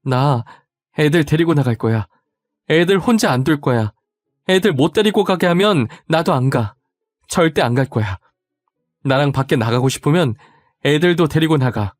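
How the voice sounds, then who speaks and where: Brief: man playing a frantic young wife and mother, pleading, insistent, voice raised higher, dry close sound. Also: lively intonation, normal speed, no room sound, natural voice.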